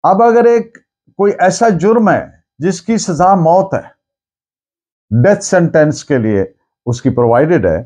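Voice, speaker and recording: Male lecturer, Pakistani accent, high voice, unhurried pace, deliberate explaining, restates key terms. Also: animated, darkish tone. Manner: deliberate, repeats key points in other words. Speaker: law lecturer. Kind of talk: explanatory lecture with dictated case citations.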